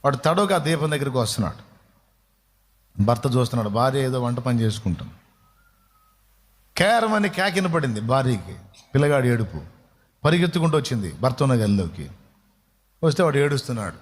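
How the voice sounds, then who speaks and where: Male pastor preaching, tells stories and throws questions at the crowd, mid pitch, long hall echo. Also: sing-song, a little fast, pauses often. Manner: storytelling preacher who asks the listeners rhetorical questions. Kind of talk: sermon.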